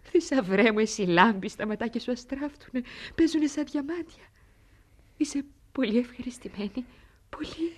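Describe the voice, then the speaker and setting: A woman playing a husky, wistful aristocratic lady. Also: medium pitch, darkish tone, natural voice. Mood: tender. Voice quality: husky, breathy, often half-whispered. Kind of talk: radio play acting.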